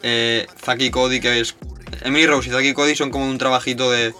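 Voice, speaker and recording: Slangy young man with a bright voice. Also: medium pitch, little pitch movement, brisk, soft background music. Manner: slangy, enthusiastic, says "hermano" and "tío". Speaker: podcast co-host. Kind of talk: casual chat.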